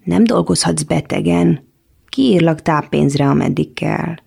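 A woman reading the part of a slightly mad male doctor who speaks slowly and softly coaxes. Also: deep voice, creaky, husky, exaggerated voice. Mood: soothing.

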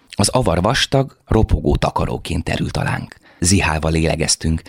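A man reads a novel aloud in a very low, gravelly voice with a husky edge. His narration is measured, yet his pitch rises and falls in a lively way, and the recording is close and dry. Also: no room sound. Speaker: actor reading aloud. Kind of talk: radio reading of a novel.

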